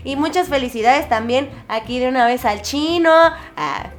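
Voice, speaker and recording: A woman's voice: high voice, normal speed, soft background music. A young woman with a Mexican accent hosting a casual radio show, chatty and playful, often laughing.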